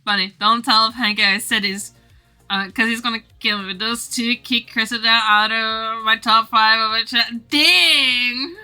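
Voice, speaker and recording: A woman with a strikingly bright, forward voice that sits a little high. She rambles casually to a livestream chat, teasing and giggly as she goes. Soft music plays behind her. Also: fairly even intonation, a little slow, clear, resonant tone. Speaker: streamer drawing game art live.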